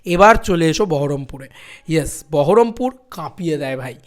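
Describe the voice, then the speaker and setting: A young man talking in an excitable, emphatic way in a fan vlog, repeating phrases to build hype. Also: fairly high pitch, moderate pace. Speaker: film fan YouTuber. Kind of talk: excited fan vlog about box office.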